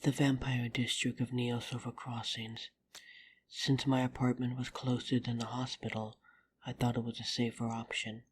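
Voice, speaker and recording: Breathy, low female voice actress as a polite, earnest vampire, even delivery, fantasy audio drama, slightly noisy recording. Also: moderate pace. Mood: firm, protective. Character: polite, steadfast young female vampire coffee house worker. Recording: noisy microphone with rumble and clicks.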